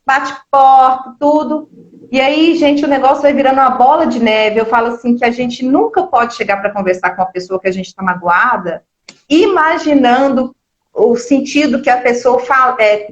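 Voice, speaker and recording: Lady chatting about faith, lots of fillers, kinda dull echoey stream audio. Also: on the high side. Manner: earnest, repeats words, many fillers. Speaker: book club co-host. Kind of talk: casual religious discussion.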